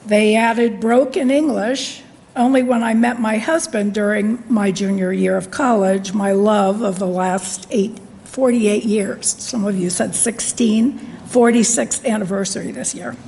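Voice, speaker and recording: A woman in her sixties giving a formal, deliberate award address at a podium microphone in a convention hall. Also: mid-range voice, steady tone, creaky, a little mellow. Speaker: lecturer.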